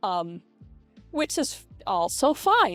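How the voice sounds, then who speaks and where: A woman is speaking. Her voice is pitched fairly high. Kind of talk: casual talk to camera. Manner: hesitant, rambling.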